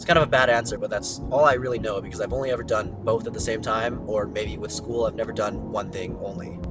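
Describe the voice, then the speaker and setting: Very fast speech with hardly any pauses and ordinary pitch variation, music in the background. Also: man, medium pitch for a man. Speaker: student filmmaker and vlogger. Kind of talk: casual Q&A vlog. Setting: in a car, driving. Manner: articulate.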